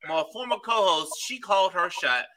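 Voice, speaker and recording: Very bright-voiced male podcast host. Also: high voice, expressive, normal speed, slight background noise, low-quality recording. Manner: loose and profane, laughs easily. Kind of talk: casual chat.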